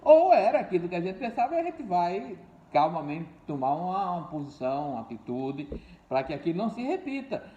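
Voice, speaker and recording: Older pastor preaching in an echoey room. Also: male voice, high-pitched, very animated, fairly quick, mellow, a little hiss or hum. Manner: repeats key words, addresses listeners as dear ones and brothers. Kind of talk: sermon. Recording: echoey room, dull lo-fi sound.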